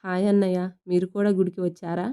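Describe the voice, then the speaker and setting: A shy, polite young wife who speaks softly and respectfully, as a woman reads her in a storybook. Her voice is warm, smooth and low, without big swings. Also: little pitch movement, fast talker, natural voice.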